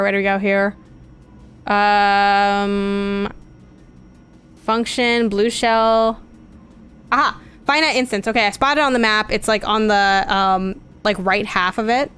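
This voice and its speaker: A woman's voice: mid-range voice, a bit bright, clean tone. A woman streaming a game, chatting casually, thinking aloud and reading on-screen dialogue.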